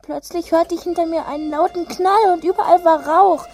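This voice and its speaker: A man's voice: extremely high pitch, steady tone, a little fast, a little mellow, slight background noise. An actor voicing a frightened young boy in a German radio drama, recounting a witch encounter. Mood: fearful recounting. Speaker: child character Jeremy.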